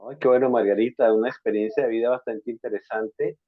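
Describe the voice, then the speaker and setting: A man's voice: mid-range voice, steady tone, dry recording. Colombian guy hosting an interview, polite, lots of ums, tinny call audio. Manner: courteous, measured, with many hesitations. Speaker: interviewer, school counselor.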